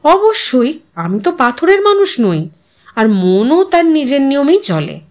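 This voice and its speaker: Woman narrator as content older housewife in an audio story: talkative, earnest, reflective, fairly high voice. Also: very animated, a little slow, darkish tone. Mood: cheerful, assertive. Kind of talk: storybook character dialogue.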